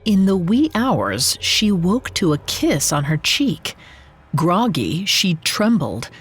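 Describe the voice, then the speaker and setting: Expressive, low-voiced female true-crime narrator. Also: slow pace, slightly rough, soft background music. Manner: expressive storytelling. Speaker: podcast co-host.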